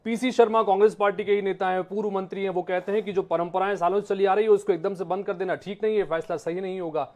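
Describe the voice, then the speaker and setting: High-pitched male debate moderator. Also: level tone, fast, darkish tone. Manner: probing questions, frequent listening hums. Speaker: debate show host, moderator. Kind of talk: moderating a live panel debate.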